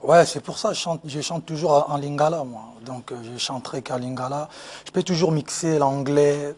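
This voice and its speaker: A man's voice: on the high side, moderate pace, a little mellow. A man speaks as a studio guest on a TV set, casual and hesitant. He often stumbles over repeated words before finishing a thought.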